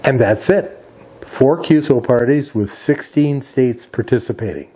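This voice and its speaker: Mellow-voiced man giving a methodical rundown. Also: mid-range voice, unhurried, breathy edge. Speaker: amateur radio video host. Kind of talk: explanatory rundown from notes.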